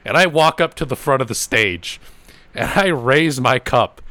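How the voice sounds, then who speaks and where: Young guy podcast host, laughs and swears a lot, dead dry mic, middle pitch. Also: a little slow, dry recording. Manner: swearing, laughing, animated anecdotes. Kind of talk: casual storytelling chat.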